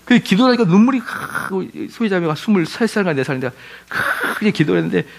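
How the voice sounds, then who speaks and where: A man's voice: high voice, a little fast, vocal fry, breathy edge. A middle-aged male pastor giving a lecture-style sermon, firing rhetorical questions at his listeners and acting out quoted voices. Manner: animated, asks the audience rhetorical questions, acts out quoted voices.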